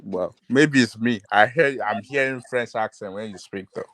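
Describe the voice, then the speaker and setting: A man's voice: on the low side, normal speed, fairly bright tone. A man in casual panel banter, playfully doubting another speaker.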